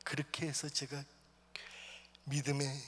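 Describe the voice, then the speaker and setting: A man preaching a personal testimony in church, swinging from loud, stirring lines to hushed whispers. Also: mid-range voice, completely flat delivery, measured pace, slight background noise. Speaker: missionary preacher. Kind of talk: sermon testimony. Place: church sanctuary. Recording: long church hall reverb.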